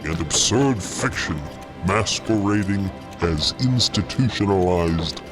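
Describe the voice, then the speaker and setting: A man's voice: low-pitched, expressive, voice pushed down. A man voicing an awestruck, gleefully mocking cosmic creature with theatrical, grandiloquent phrasing in a fiction podcast. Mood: awed amusement. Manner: slow, theatrical, amused, grandiloquent. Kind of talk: narrated fiction podcast character acting. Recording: music behind the voice.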